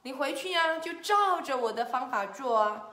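A woman's voice: high-pitched, expressive, normal speed, sharp tone, voice pushed up. A woman voicing a reassuring male pig doctor in a children's story. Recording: echoey room.

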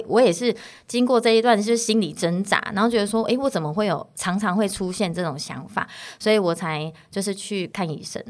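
Fast-talking candid mother with Taiwanese accent. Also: medium pitch. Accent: Taiwanese Mandarin. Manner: candid, chatty, laughs between phrases. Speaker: podcast guest, mother of three. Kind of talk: casual interview talk.

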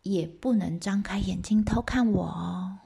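A woman voicing a grieving goddess wife trapped in the underworld, speaking high and pleading. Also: a little slow, vocal fry, warm tone, breathy edge, exaggerated voice. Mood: urgent warning.

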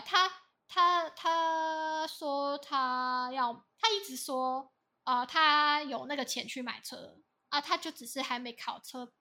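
A woman co-hosting a podcast in casual chat, telling stories in an animated way and quoting others. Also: sits high. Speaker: podcast co-host.

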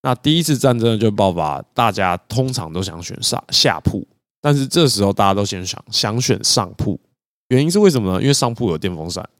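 A young Taiwanese man talks quickly, and his pitch jumps all over as he tells a story. He laughs often and slips into voices for the people he describes. The sound is dry and close. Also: no room sound. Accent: Taiwanese Mandarin. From northern Taiwan. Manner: animated, laughs often, acts out quoted lines. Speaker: podcast co-host. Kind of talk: casual storytelling chat.

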